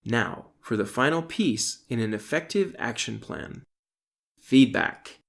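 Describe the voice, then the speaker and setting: A middle-aged man, an author, reads his self-help audiobook in a deliberate, instructional way, stressing key terms. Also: medium pitch, vocal fry. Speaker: author reading own audiobook.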